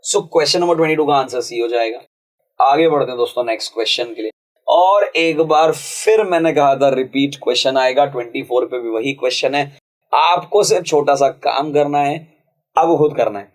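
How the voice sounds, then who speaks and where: A man teaching English grammar for exam prep, reading sentences slowly and explaining them in a casual, chatty way. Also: medium pitch, poor audio. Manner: casual, chatty, calls viewers friends and brother.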